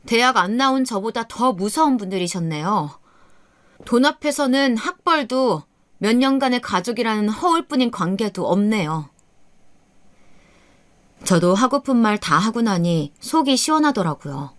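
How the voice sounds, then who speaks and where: A woman's voice: on the high side, lively intonation, normal speed, dry recording. A woman in her thirties narrating a first-person radio story in plain storytelling.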